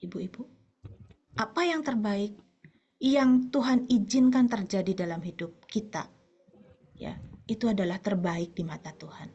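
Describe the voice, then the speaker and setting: A woman's voice: mid-range voice, a little slow, long pauses, a little mellow, slightly rough, dull audio. A woman preaching to a women's fellowship in a chatty way, telling personal stories and addressing the listeners as mothers. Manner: conversational, anecdotal, addresses listeners as "ibu-ibu". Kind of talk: sermon.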